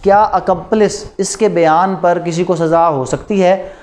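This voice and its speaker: A man's voice: high-pitched, fairly even intonation, measured pace, a little mellow. A man with a Pakistani accent giving a law lecture in a didactic way, posing rhetorical questions and answering them himself.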